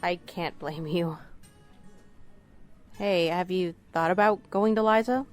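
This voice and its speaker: Gentle concerned friend, slightly low voice, tentative, music faint behind. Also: female voice, slow. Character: gentle, concerned blind woman, loyal friend. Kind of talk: audio drama acting.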